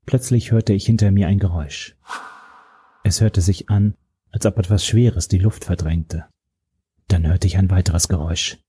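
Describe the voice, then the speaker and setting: A man reading a first-person audiobook in a steady, grave manner. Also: deep voice, normal speed, slightly rough. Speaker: narrator.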